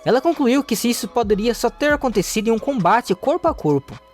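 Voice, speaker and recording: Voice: medium pitch, expressive, fast, darkish tone, faint music behind. A narrator, reading a comic story recap steadily, with small restarts. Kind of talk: recap narration, read aloud.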